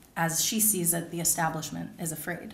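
The speech comes at a moderate pace and sounds somewhat breathy. Audible room echo is present. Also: woman. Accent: American. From United States. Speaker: journalist and researcher; journalist. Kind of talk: lecture; interview answer. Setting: stage with audience. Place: studio.

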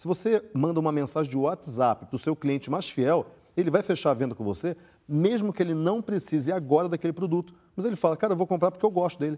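Very fast, high-pitched speech from a man with lively intonation against a quiet background. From Brazil, Rio de Janeiro. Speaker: digital marketing expert and entrepreneur; interview guest. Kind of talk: interview. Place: studio. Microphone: lapel.

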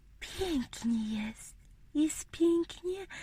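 A woman's dark, mellow, gentle voice at a very slow pace. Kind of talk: whispered children's bedtime story. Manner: whispered, soft, gentle.

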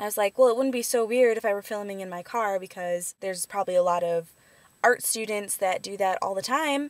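Lively in intonation, a woman talks at a fairly quick pace, and the sound is dry with no echo. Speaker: vlogger. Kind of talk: casual vlog chat. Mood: playful, slightly nervous. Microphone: phone near.

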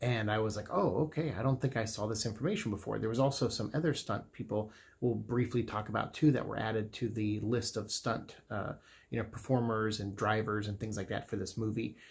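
Quiet and somewhat breathy, a man with a fairly low pitch talks at a fairly quick pace with fairly even intonation. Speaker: YouTube vlogger. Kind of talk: casual vlog. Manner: quiet, keeping voice down. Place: home room.

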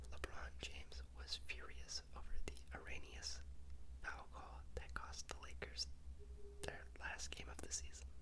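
Long, frequent pauses break up a man's speech, with noticeable background noise throughout. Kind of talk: casual game hosting. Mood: playful, joking. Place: home room. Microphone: studio mic.

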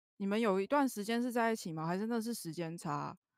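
Her pitch is medium for a woman. She speaks with lively intonation. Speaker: online game player. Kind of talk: casual gaming chat. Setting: online voice chat during livestream. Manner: animated.

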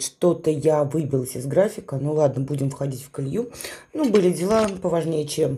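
At a moderate pace, a woman speaks in a very deep, low pitch with a dark, mellow tone, somewhat breathy, with ordinary pitch variation. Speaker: children's hospital nurse. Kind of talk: casual mukbang talk to camera. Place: home room. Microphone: phone near.

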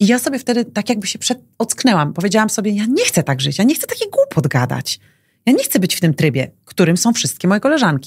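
Against a quiet background, a woman talks at a very fast pace with very wide pitch swings and vocal fry. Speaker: podcast guest. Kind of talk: casual chat. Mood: reflective, warm. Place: studio. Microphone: studio mic.

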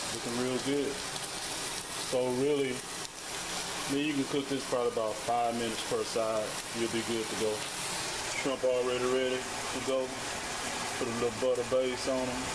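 Over loud background noise, the speech moves at a moderate pace with long, frequent pauses. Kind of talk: casual cooking tutorial. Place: kitchen.

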